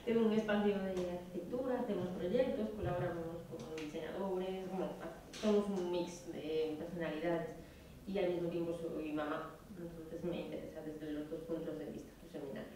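A woman's voice: lowish voice, steady tone, a crowd in the background. A woman architect introducing herself, a little nervous. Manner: a little nervous, quick laughs. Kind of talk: self-introduction in a seminar. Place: seminar room, seated in a circle. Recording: echoey room from far off with people around.

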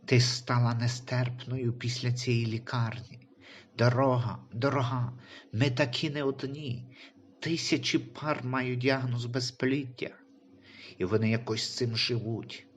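A man's voice: mid-range voice, steady tone, measured pace, slight background noise, close to an everyday voice. A man voicing a worried, caring husband in a Christian audio story, speaking anxiously.

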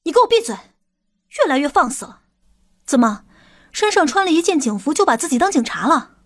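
A woman playing a stern, sharp-tongued police officer in an audiobook, commanding and scolding. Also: sits high, sing-song, brisk. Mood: furious. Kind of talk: audiobook character acting.

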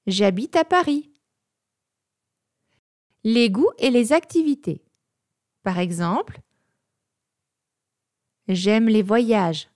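Slow, clear woman teaching vocabulary. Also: medium pitch, darkish tone, dry recording, clean studio sound. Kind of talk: scripted lesson narration.

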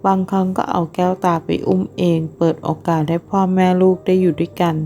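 A woman narrating a romance audio novel in a steady, unhurried storytelling voice. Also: fairly low pitch, a little hiss or hum.

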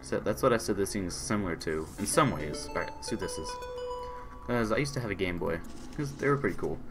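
A hoarse young man with a sore throat, casually commentating a game he is playing, reading on-screen messages aloud and answering them. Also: sits low, lively intonation, fast, music in the background. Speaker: gaming channel host. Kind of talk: casual let's-play commentary.

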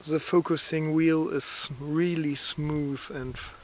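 A man in his forties speaks slowly and haltingly, searching for words in simple English. His voice sits a little high. He is recorded outdoors on a camera at arm's length, with faint rain and open-air noise behind him. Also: fairly even intonation. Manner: halting, many fillers, simple non-native phrasing. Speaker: outdoor channel host. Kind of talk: casual gear review. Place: outdoors on a lakeshore in light rain. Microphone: handheld camera at arm's length.

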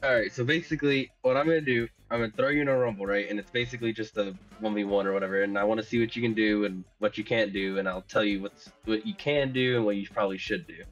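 A man's voice: fairly low pitch, fast talker, hardly any pauses, lo-fi sound, faint music behind. A young man coaching a shooter game over voice chat, explaining loosely with lots of fillers.

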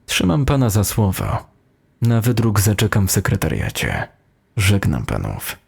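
A man's voice: lowish voice, big pitch swings, unhurried, creaky, slightly rough, full character voice. A man reading the part of a stern, threatening detective in an audio horror story, curt and menacing.

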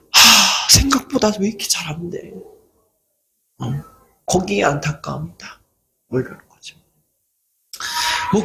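A man's voice: high voice, sharp tone. A man who hosts a channel, giving an earnest motivational talk and acting out people's mocking remarks as he goes. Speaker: lecturer and channel host.

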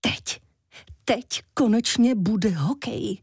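A woman voicing a giant, grumpy old male walrus creator in a children's audiobook, in a low, gruff, grumbling voice. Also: darkish tone, no echo, studio quality. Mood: eager.

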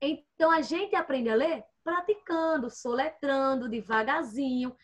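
A woman teaching an online class to young children, patient and coaxing. She uses lots of diminutives and checks in often. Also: high voice. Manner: fond of diminutives, spells out syllables slowly. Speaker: first-grade teacher. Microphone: computer microphone, with headphones.

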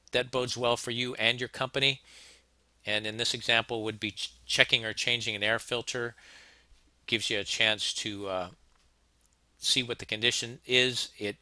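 A man's voice: medium pitch, pushed and bright, no room sound. A man teaching an HVAC training course, talking casually over slides and often restarting his sentences. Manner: plain-spoken, conversational, frequent restarts and repeats. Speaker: HVAC instructor. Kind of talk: narrated slide lecture.

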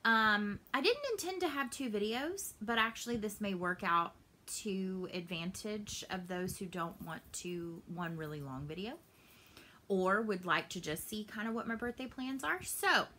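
With a mid-range voice, lively intonation and a sharp tone, she speaks at a measured pace, and a faint hiss or hum runs underneath. A cross-stitch vlogger in her late thirties, she chats informally to the camera about her stitching from a small room at home, rambling and gesturing. A front-facing camera captures her upper body.

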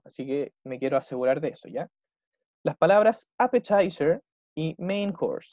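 Patient Chilean teacher, bone-dry sound. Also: male voice, fairly high pitch, a little mellow, dry recording. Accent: Chilean Spanish. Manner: patient, checks in with "¿ya?" and "¿cierto?" after every point. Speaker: English teacher. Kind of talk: explaining a recorded English dialogue to a class.

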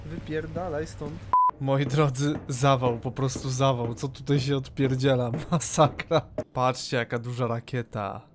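A man hosting a gaming channel, chatting casually with a friend while playing, excitable, jokey and swearing a lot. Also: medium pitch, a little slow, few pauses. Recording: loud background noise over voice chat.

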